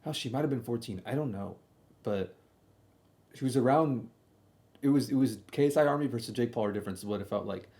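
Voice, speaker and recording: A man's voice: medium pitch, a little fast, long pauses, dark tone. A young man telling a casual, slangy stream story, often doubling back and repeating himself as he comments on old videos.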